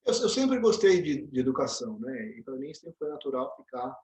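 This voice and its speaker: A middle-aged Brazilian man being interviewed, telling animated stories with frequent restarts and tag questions. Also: mid-range voice, moderate pace, low-quality recording. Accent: Brazilian Portuguese. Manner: storytelling, animated, many restarts and "né?" tags. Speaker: interview guest, dentist and program director. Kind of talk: casual interview conversation.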